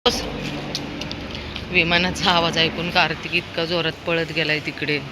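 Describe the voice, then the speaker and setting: A woman's voice: sits low, little pitch movement, unhurried, very noisy. A woman chatting casually while walking a dog outdoors on a sunny street, calling out in a coaxing, sing-song way to a toddler and the dogs. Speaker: dog owner vlogger.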